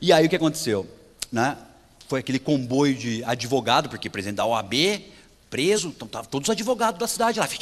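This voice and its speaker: At a fairly quick pace, a man with a fairly high pitch swings his pitch very widely, pausing long and often. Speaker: lawyer and lecturer. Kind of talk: lecture. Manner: animated.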